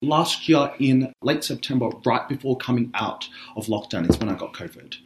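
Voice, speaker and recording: A man with a raspy voice, a drag artist speaking candidly in a relaxed interview and thinking aloud as he goes. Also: medium pitch, moderate pace, rough recording. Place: radio studio.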